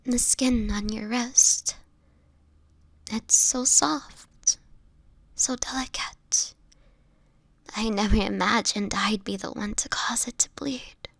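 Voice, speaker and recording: A woman playing a gentle, sickly, anguished vampire in a whispery audio roleplay, speaking hesitantly and tenderly to the listener. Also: fairly high pitch, steady tone, slow, long pauses, no echo, full character voice. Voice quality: breathy, often whispering.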